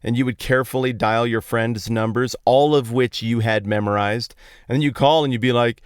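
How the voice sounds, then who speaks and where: American guy doing a chatty podcast monologue, playful, clean smooth voice, pretty dry sound in a truck. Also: medium pitch, normal speed, no room sound. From Colorado, United States. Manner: playful, animated emphasis, colloquial phrasing. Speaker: podcast host. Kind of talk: casual conversational Bible talk, storytelling monologue. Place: inside a parked truck outdoors on a street.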